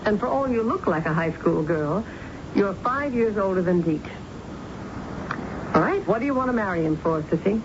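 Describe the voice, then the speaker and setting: A noisy, muffled old radio drama broadcast. An actress plays a controlling, well-to-do middle-aged mother, probing and firm. Her diction is polished and her pitch swings in a lively way. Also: normal speed, long pauses, close to an everyday voice. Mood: cold, firm.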